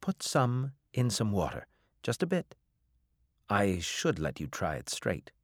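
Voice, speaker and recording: Man acting out alien trader captain, audiobook, roguish, breezy, animated intonation, dry close sound. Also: on the low side, unhurried, no room sound, exaggerated voice. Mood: salesmanlike. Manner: glib, breezy. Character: roguish, fast-talking alien trader captain, cheeky under pressure.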